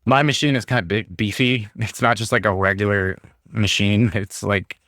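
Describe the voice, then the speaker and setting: Streamer guy, kinda low voice, going hoarse from being sick, rambles with lots of likes and you-knows, dry close mic. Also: steady tone, normal speed, a bit bright, dry recording. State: hoarse, recovering from illness. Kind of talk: casual livestream talk.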